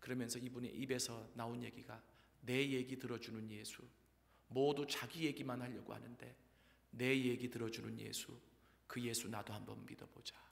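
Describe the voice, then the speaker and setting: Flat, monotone male speech marked by vocal fry. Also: moderate pace. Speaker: preacher. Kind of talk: sermon. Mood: earnest, moved. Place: church. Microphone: podium.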